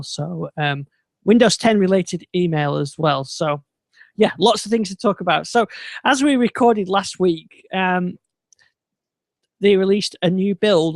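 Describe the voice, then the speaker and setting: A man with a notably high voice, hosting a relaxed tech podcast. He meanders through his points with plenty of ums and false starts. The sound is dry and close-miked. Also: no room sound. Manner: meandering, many ums and restarts. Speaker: podcast host. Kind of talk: casual tech chat.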